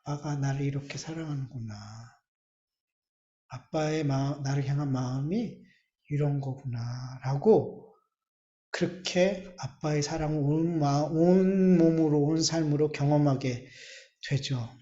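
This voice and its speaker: High-voiced pastor preaching in an echoey hall. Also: male voice, dark tone. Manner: emphatic preaching with drawn-out pauses and rising bursts. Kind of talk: sermon. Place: church sanctuary. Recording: echoey church hall, slightly dull sound.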